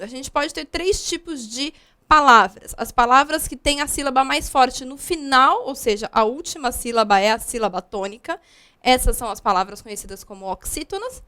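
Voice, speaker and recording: A young woman from Brazil with a high, bright voice gives a recorded grammar lesson. She explains step by step, patient and unhurried, with frequent small fillers between points. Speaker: grammar teacher.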